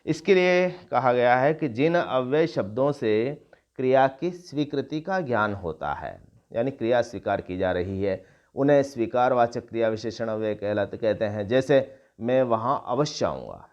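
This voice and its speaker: A middle-aged man gives a classroom grammar lecture at a measured, patient pace. He restates each term and works through lists of examples with pauses and small fillers. The recording is dull and lo-fi. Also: medium pitch, expressive, a little mellow. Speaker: Hindi grammar teacher.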